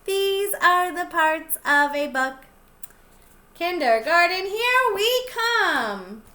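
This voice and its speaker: एक प्री-के शिक्षिका, बच्चों को कहानी पढ़ती हुई, धीमी और बहुत उतार-चढ़ाव वाली आवाज़।. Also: female voice, very high voice. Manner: sing-song, slow and expressive, addressing young children. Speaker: pre-K teacher. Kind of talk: children's read-aloud.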